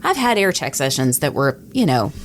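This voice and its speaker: A woman's voice: rumbling low, big pitch swings, moderate pace, a little hiss or hum. A woman who works in radio, chatting casually and acting out remembered exchanges as a podcast co-host. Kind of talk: casual conversational storytelling.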